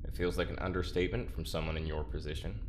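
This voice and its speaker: A man playing an awkward, wry prisoner in an audio drama, halting, apologetic and understated. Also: extremely low pitch, fairly even intonation, a little hiss or hum. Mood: awkward, subdued. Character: awkward, wry, hesitant male prisoner, handy with machines. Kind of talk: naturalistic audio drama acting.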